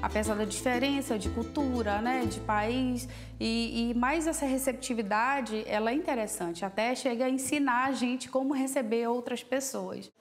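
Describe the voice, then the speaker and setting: A woman's voice: a little high, normal speed, soft background music. A woman on school staff with a Brazilian accent, speaking reflectively in a documentary interview and often adding "né". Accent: Brazilian Portuguese. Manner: reflective, with frequent "né".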